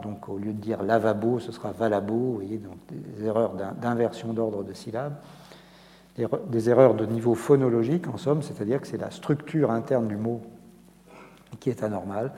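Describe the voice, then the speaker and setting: A man answering audience questions at a public lecture, explaining in a measured way with frequent hesitations and restarts. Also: mid-range voice, darkish tone. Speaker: memory centre director answering audience questions. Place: lecture hall. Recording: reverberant hall.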